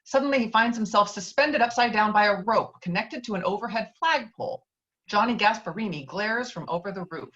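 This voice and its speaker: A woman's voice: medium pitch, a little fast, a bit bright. A woman reading out screenplay stage directions as the narrator of an online table read. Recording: dull, lo-fi online call audio.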